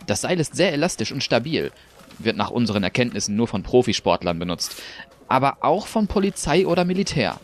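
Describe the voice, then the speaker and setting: Guy doing police lab tech explaining evidence, crime audio drama, varied pitch, slight background noise. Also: big pitch swings, fairly quick, natural voice. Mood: serious, matter-of-fact. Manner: matter-of-fact, explanatory. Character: easygoing male police forensic technician, explaining evidence.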